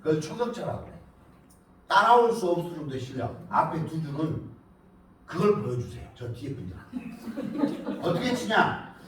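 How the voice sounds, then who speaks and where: A high-pitched man teaches a live audience, and his pitch leaps all over the place. He teases his listeners and chants words in a sing-song rhythm. The sound is boomy and roomy, picked up from some distance in a lecture hall. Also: very animated, moderate pace, pauses often, a little hiss or hum. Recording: echoey hall, mic at a distance.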